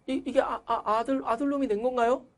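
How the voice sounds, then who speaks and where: A man's voice: flat delivery, fast talker. A man reading aloud as a flustered middle-aged father who stammers and stumbles over his words. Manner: stammering, high and strained.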